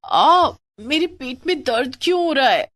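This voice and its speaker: A woman's voice: sits high, lively intonation, measured pace, fairly bright tone, no echo, pitched above the performer's own voice. A woman voicing a stubborn young wife. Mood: in pain. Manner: pleading, excuse-making. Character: stubborn young wife who sneaks noodles.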